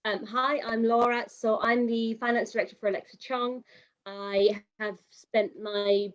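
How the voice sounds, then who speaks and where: A woman's voice: medium pitch, no room sound, highs cut off. A woman finance director speaking on a video call, reflective and self-deprecating with some hesitation.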